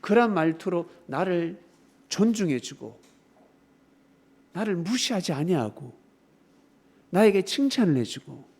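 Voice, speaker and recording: A man preaching a sermon with a fairly high, very lively voice. He shifts from loud, emphatic declarations to quieter asides and keeps turning to the congregation with rhetorical questions. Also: a little slow, long pauses, breathy edge. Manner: emphatic preaching, swinging between loud exclamations and softer asides. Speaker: pastor.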